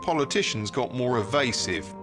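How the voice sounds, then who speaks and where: A sardonic man delivers comic voice-over narration with a lively, up-and-down pitch. His tone is dry and mock-exasperated. A music bed plays clearly beneath him. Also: normal speed. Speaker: host and narrator.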